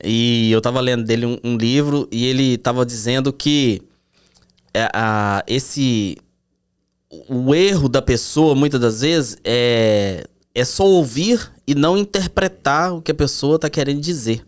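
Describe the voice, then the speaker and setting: A man's voice: medium pitch, a little slow, clean tone. A man co-hosting a casual Christian talk, thinking aloud with frequent restarts.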